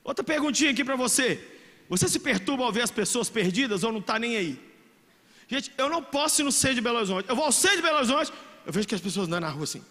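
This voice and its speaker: A middle-aged Brazilian pastor from Minas Gerais with an unusually high, bright voice that leaps all over the place. He preaches with jokes and sudden shouts, his words ringing with the long echo of a big church hall. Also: fast. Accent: Brazilian Portuguese, Minas Gerais. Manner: animated, shouting, joking storyteller. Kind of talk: lively youth sermon.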